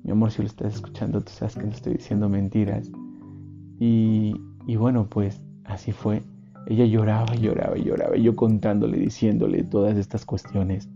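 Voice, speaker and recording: A man's voice: fairly low pitch, level tone, normal speed, vocal fry, mellow. A man, telling a personal testimony in an earnest, rambling, reflective way. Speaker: storyteller. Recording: dull recording with faint guitar music.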